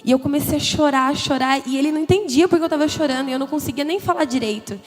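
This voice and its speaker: Higher-voiced young woman, echoing hall. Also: racing. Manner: candid, conversational, emotional, frequent "né?" tags. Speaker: testimony speaker. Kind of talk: personal testimony at a church youth congress. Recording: long hall reverb with faint music. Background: soft background music.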